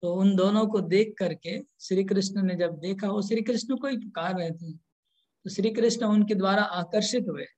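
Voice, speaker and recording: A man giving a scripture lecture, explaining slowly in short pieces with restarts, and chanting verses. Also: high-pitched, darkish tone, rough recording. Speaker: spiritual lecturer.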